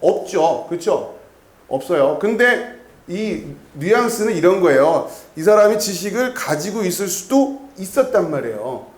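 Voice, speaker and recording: A man's voice: sits high, big pitch swings, normal speed, echoey room. A male pastor preaching an expository sermon in a conversational way. He often puts questions to the congregation and repeats key words. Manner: asks the congregation frequent questions. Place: church sanctuary.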